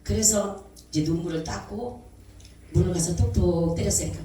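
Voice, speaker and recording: Woman pastor, lowish voice, animated sermon storytelling, echoey hall, distant mic. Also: moderate pace, slight background noise. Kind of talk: sermon testimony. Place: church sanctuary.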